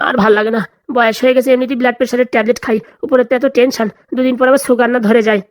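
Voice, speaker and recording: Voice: medium pitch, little pitch movement, rapid-fire, no echo, close to an everyday voice. A performer voicing an anxious, complaining older male tutor in a comedy cartoon, with a fretful, grumbling manner. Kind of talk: comic cartoon dialogue.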